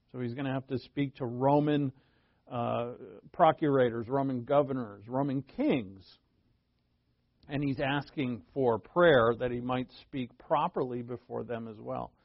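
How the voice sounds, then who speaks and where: A man teaching a Bible study in a relaxed, conversational way, with asides, fillers and verse readings. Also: medium pitch, no room sound, dull audio.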